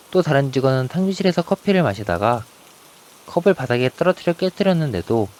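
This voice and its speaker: A man narrating a scripted ghost story in a hushed, suspenseful way, with rain behind his voice. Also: mid-range voice. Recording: rain ambience noise behind voice.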